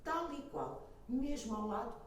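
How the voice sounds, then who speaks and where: Woman, storyteller addressing audience, mellow fairly high voice, distant mic, faint background noise. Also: unhurried, heavy reverb. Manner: reciting with a narrating cadence. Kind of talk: public address, reciting.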